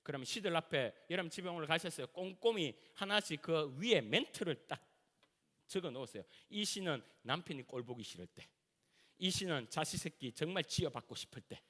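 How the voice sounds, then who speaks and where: A middle-aged male pastor with a Gyeongsang accent, preaching in a high, bright voice that leaps up and down in pitch. He talks colloquially and acts out everyday scenes as he goes. The long reverb of a church sanctuary trails after each phrase. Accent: Gyeongsang Korean. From Gyeongsang region, South Korea. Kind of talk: sermon.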